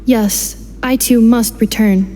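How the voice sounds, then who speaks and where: Mellow, formal female robot. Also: fairly high pitch, steady tone, faint music behind. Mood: calm, apologetic. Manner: formal, measured, clinical phrasing. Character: polite female robot, calm, literal and dutiful. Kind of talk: video game voice acting.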